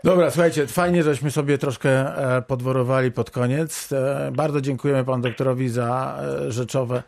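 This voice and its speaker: A man's voice: medium pitch, steady tone, fairly quick, a little mellow. A man hosting a late-night radio talk show, playful and rambling with frequent restarts. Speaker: radio host. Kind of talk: casual radio chat.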